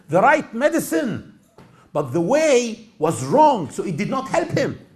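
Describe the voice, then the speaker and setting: In a room with audible echo, a man with a high voice and an Egyptian accent talks at a fairly slow pace, his pitch swinging very widely. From Upper Egypt. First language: Arabic. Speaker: Islamic lecturer. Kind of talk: workshop lecture.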